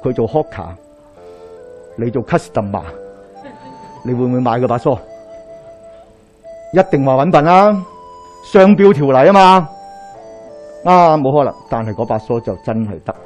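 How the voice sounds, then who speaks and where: A middle-aged Daoist priest with a Hong Kong Cantonese accent lectures a live audience in a small indoor hall in front of a screen. He tells stories full of lively rhetorical questions, pacing and gesturing. His medium-pitched voice moves at a moderate pace with frequent pauses, and faint music plays behind him.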